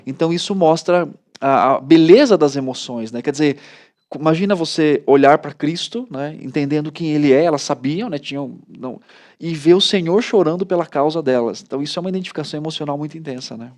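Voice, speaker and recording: A man's voice: a little high, fast. A man in his thirties, a pastor with a Brazilian Portuguese accent, telling stories animatedly in a casual chat. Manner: animated storytelling, many "né" tags. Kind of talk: casual studio talk.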